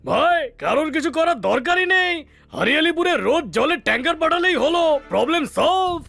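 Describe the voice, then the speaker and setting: A man voicing a flippant, simple-minded comic cartoon pal with a squawky, creaky voice. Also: very high voice, expressive, a little fast, no room sound, exaggerated voice. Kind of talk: dubbed cartoon acting. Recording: loud cartoon music behind.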